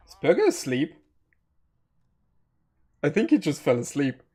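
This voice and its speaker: A man's voice: a little high, wildly swooping pitch, unhurried, darkish tone. A man chatting casually on a stream call, laughing often and giving run updates. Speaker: speedrun teammate on a call. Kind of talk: casual chat.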